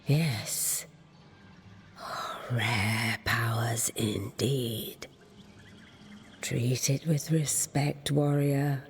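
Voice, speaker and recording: A woman voicing a calm, mysterious seer in a video game, deliberate and often dropping to a breathy half-whisper. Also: very deep voice, exaggerated voice. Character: mysterious, mystical female amulet seer, calm. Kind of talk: video game character acting.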